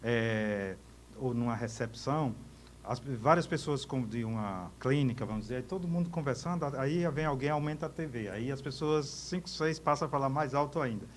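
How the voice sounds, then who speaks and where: A man's voice: mid-range voice, moderate pace, slight background noise. Formal Brazilian male TV interviewer. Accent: Brazilian Portuguese. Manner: formal, addresses the guest as "a senhora". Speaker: TV news interviewer. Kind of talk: interview questions and comments. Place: TV news studio.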